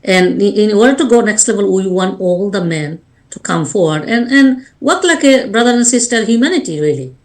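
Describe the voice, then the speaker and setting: A woman's voice: medium pitch, expressive, fairly quick, hardly any pauses, a little mellow. A woman from Bangladesh, speaking earnestly as a life coach and guest on a radio interview. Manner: earnest, speaks in short restarting phrases.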